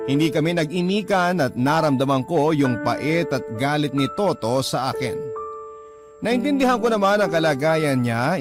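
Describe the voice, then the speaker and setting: Isang lalaking tagapagsalaysay na nagbabasa ng liham ng pag-ibig bilang kuwento sa unang panauhan. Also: male voice, on the high side. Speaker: narrator reading a letter. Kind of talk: first-person scripted story narration. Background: music.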